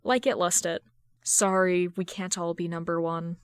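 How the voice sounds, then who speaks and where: Woman reading as excitable, slangy livestream chat fans. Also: lowish voice, a little slow, clear, resonant tone, no echo, studio quality, lightly acted. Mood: teasing. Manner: gushing, slangy. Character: excitable online fans typing in a stream chat.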